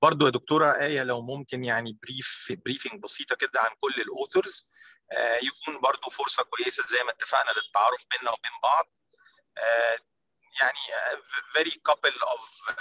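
Egyptian male academic chair, bright forceful voice, formal delivery on an online call. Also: medium pitch, slight background noise, rough recording. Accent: Egyptian Arabic. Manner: mixes English phrases into Arabic. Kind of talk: formal spoken welcome at an online conference. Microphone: online video call.

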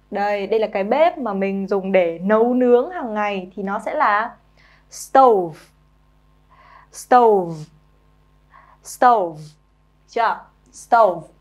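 Young woman teacher, fairly high voice, drills english words with kids, coaxing, repeats everything. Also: lo-fi sound. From Vietnam. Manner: coaxing, repeats each English word slowly for pupils. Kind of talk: children's vocabulary lesson.

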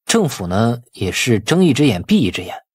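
Man acting an excitable young nephew, lively and husky. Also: mid-range voice, moderate pace. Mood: puzzled, worried. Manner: expressive, colloquial, exclaiming. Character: eager, easily flustered young nephew, deferential to his aunt.

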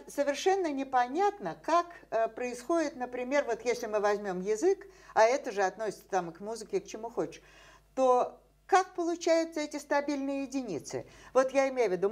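A woman's voice: on the high side, darkish tone. An older woman, a scientist guest in an interview, explaining ideas at length with many fillers and rhetorical questions, seated in a dim indoor room.

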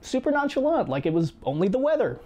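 A man in his thirties reading a scripted personal video essay in a measured, reflective way, seated in a small home studio. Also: very high-pitched, sing-song. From United States. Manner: measured, reflective storytelling with quiet asides. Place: small home studio room with guitars and shelves.

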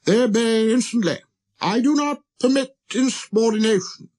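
A man's voice: very high voice, normal speed, darkish tone, pitched above the performer's own voice. A man voicing a pompous but good-natured absolute monarch in a storybook, hemming and spluttering as he commands. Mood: imperious.

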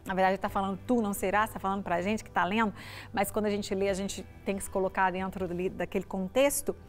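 A middle-aged woman pastor with a Brazilian Portuguese accent talks fast at a medium pitch that barely moves, with faint music behind her. Wearing a lapel mic on a TV studio set, she gives the viewer a brief devotional in a conversational way, often tossing in "né?".

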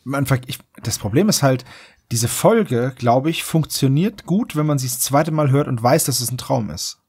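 A man's voice: medium pitch, expressive, moderate pace, darkish tone, slightly rough. A man hosting a podcast, recapping a story in a casual, wry, joking way. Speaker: podcast host.

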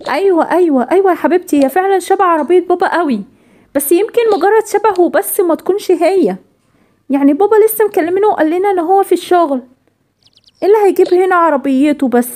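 A woman's voice: very high voice, quick pace, darkish tone. A woman voicing a patient, affectionate mother with an Egyptian accent. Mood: soothing. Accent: Egyptian Arabic. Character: gentle caring mother of a young girl.

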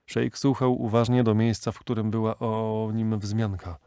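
A man narrating a classic novel as an audiobook, measured and expressive. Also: lowish voice, clean tone, dry recording, clean studio sound.

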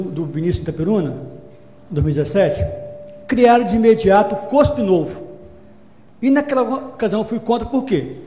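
A man's voice: a little high, warm tone. A man, a city councillor, giving a formal floor speech in a council chamber and earnestly repeating his position. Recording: echoey hall with long reverb.

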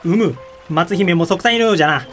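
Man acting as young samurai noble, lightly high voice, polite, formal old-fashioned speech, period drama, soft music behind. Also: fairly quick, natural voice. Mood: courteous, respectful. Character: courteous young samurai lord, the groom-to-be.

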